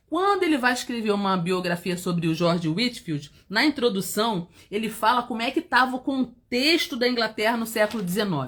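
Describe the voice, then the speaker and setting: A woman with a Brazilian accent talks at a moderate pace, her fairly high pitch moving through very wide pitch swings. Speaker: Bible teacher. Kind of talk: livestream Bible teaching.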